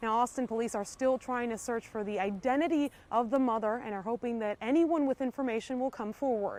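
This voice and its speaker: A woman with a high voice speaks at a fairly quick pace, with hardly any pauses and ordinary pitch variation. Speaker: television news reporter. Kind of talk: live shot and package reporter narration.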